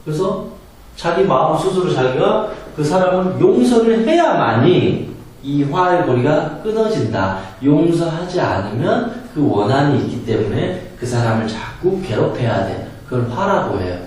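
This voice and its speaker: A man giving a spoken lecture on handling anger, emphatic and animated, sometimes acting out angry quotes and laughing. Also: on the high side, unhurried. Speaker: meditation and self-help lecturer. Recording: very echoey room from a distance, faint noise.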